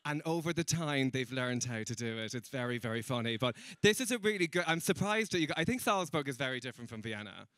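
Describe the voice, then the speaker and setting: A man's voice: mid-range voice, animated, fast talker, few pauses, a bit bright, no room sound. A young man doing a stand-up comedy set, chatty and teasing with the crowd and laughing at his own jokes. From Ireland. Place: comedy stage in a room with an audience.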